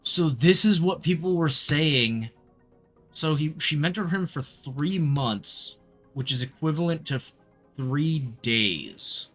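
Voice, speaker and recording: A woman game streamer with a low voice and very lively intonation. She chats casually and slangily, reacting out loud over faint game music. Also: slow pace. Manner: slangy, exclamatory, chatty. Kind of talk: casual live gameplay reactions and chat.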